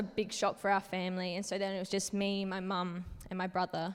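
A woman with an Australian accent speaks at a moderate pace in a medium pitch. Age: young. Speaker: church member. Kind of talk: testimony.

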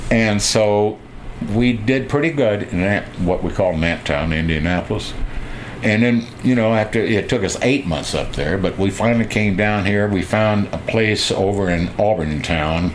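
Noticeable background noise and audible room echo surround a man whose fairly low voice has ordinary pitch variation and very even loudness. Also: moderate pace. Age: 70s. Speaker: Hammond organ player. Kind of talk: casual interview chat. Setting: at his home.

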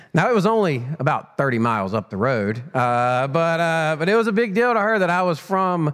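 A man with a Southern US accent and fairly high pitch, very wide pitch swings, very even loudness, a moderate pace and hardly any pauses, on a very clean recording with a silent background. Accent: Southern US (Georgia). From US South, northwest Georgia (Cartersville). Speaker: deacon. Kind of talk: sermon. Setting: church. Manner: halting, many fillers.

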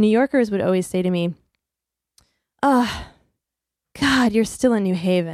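With lively intonation and an American accent, a woman speaks at a fairly slow pace with long, frequent pauses. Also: medium pitch for a woman. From rural northeastern Pennsylvania (Montrose). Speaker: artist and curator. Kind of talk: casual interview on local radio.

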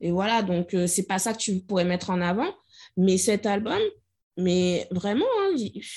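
With an unremarkable speaking voice, a woman talks at a medium pitch with fairly even intonation. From Guadeloupe. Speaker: podcast host. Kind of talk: interview; scripted narration.

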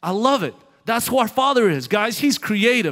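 The speaker has an animated tone and keeps a moderate pace. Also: man. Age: 30s. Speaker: pastor. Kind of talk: sermon.

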